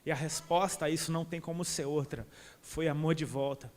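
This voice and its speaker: A man's voice: on the high side, fairly even intonation, fairly quick, a little mellow. A middle-aged man with a Brazilian Portuguese accent preaching a sermon in an impassioned, colloquial way. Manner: impassioned, colloquial, calls listeners "cara". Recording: long reverb of a large hall.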